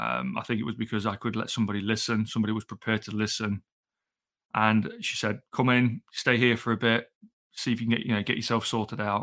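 Very fast and bright, sharp in tone, a man with a British accent speaks at a fairly low pitch with vocal fry. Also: fairly even intonation. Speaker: fitness coach podcast host. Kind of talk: solo podcast telling personal story. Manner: fast-thinking, sometimes halting, emotional.

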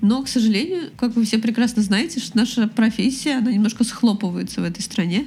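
A voice races along at a very fast pace with hardly any pauses and ordinary pitch variation over noticeable background noise. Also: woman, fairly high pitch for a woman. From Moscow region, Russia. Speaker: curly hair stylist and blogger. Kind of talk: casual interview chat.

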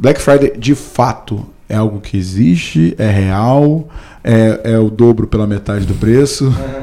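A man's dark, mellow voice at medium pitch, fairly slow in pace, with ordinary pitch variation. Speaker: podcast host. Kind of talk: casual interview.

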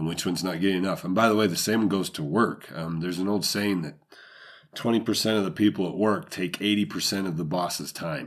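At a fairly quick pace, a man talks in a very deep, low pitch with ordinary pitch variation in a very clean recording with a silent background. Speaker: podcast host. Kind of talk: casual podcast talk.

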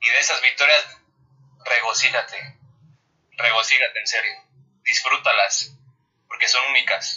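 Long pauses come often in speech delivered at a fairly slow pace. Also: man. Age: 20s. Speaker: podcast guest. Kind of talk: casual chat. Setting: Instagram live video call.

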